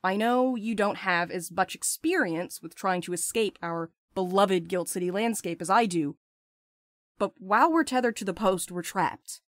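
A woman's voice: medium pitch, normal speed, no echo, natural voice. An actress playing a brash, impulsive young woman with crude, sarcastic banter in an audio drama. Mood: urgent. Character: brash, playful, impulsive young postal worker friend.

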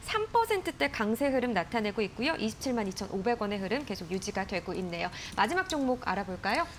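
A woman's voice: medium pitch, very animated, quick pace, a little hiss or hum. A woman in her thirties presenting a studio stock show, summarizing politely and energetically. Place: TV studio desk. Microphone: lapel mic.

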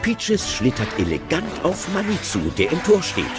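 A man's voice: sits high, huge pitch swings, moderate pace, loud music behind the voice. A man narrating an audio play in a chatty, wondering way.

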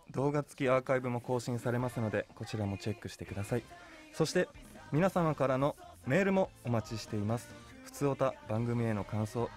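An actor playing a male troupe character, reading a scripted announcement in a measured way. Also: medium pitch, a little mellow, close to an everyday voice.

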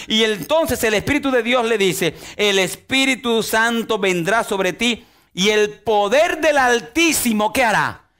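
A man preaching a sermon as pastor, swinging from loud outbursts to soft drawn-out words. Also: sits high. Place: church.

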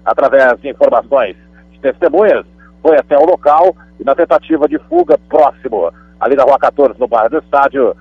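A man's voice: medium pitch, no echo. A male reporter with a Brazilian Portuguese accent reads a radio police bulletin in a chatty way, throwing in emphatic asides as he goes. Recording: dry, phone-like radio line.

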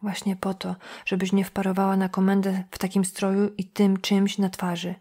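A woman reading an audiobook voices a calm, wry female investigator who speaks quietly and dryly, often in a hush. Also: medium pitch, normal speed, slightly rough. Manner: quiet, dry, often hushed. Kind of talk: audiobook dialogue.

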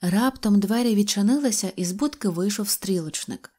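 A woman reading an audio fairy tale in an expressive storytelling manner. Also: medium pitch, moderate pace. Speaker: narrator.

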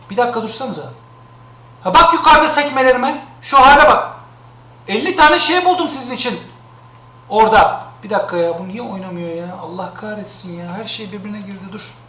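A man's voice: high-pitched, expressive, normal speed, long pauses, sharp tone, reverberant. A man streaming live, complaining in an exasperated way and repeating himself.

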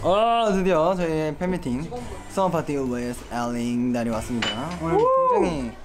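A man's voice: a little high, very animated, moderate pace. A young man chatting playfully backstage before a fan meeting, boasting and joking as he films himself. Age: young adult. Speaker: idol group member vlogging backstage. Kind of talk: casual backstage vlog chat.

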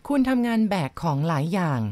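A woman reading a novel aloud in a calm, even storytelling manner. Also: medium pitch, fast talker, dry recording. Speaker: audiobook reader.

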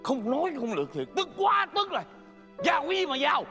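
A man's voice: very high-pitched, huge pitch swings, fast, music in the background, full character voice. A man playing a blunt, teasing male neighbor in a stage comedy sketch.

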